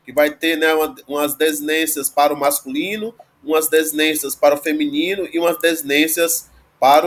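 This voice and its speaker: A man teaching a grammar lesson, explaining patiently and checking in with frequent tag questions. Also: fairly high pitch. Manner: explanatory, frequent "né?" tag questions, slow spelled-out word forms. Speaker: Greek teacher.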